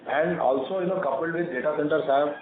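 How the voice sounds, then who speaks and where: A man with an Indian accent answering investor questions on an earnings call as a company executive, in measured explanations. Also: fairly high pitch, crowd noise. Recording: phone-like conference line, echoey, clearly noisy.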